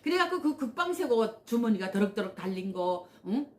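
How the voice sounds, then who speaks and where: A North Korean woman hosting her own channel tells a personal story in a slightly high, sing-song, fairly quick voice with a darkish tone. She's animated, acts out the voices of people she quotes, and often uses "yes" and "uh" as fillers.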